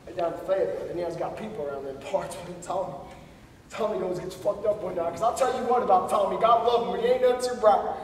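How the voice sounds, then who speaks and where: An actor plays a rowdy, drunk rural man who taunts and brags crudely, a swaggering storyteller in a taunting mood, lightly acted. His voice is high-pitched and fast, with a little hiss or hum, recorded far from the mic in an echoey hall.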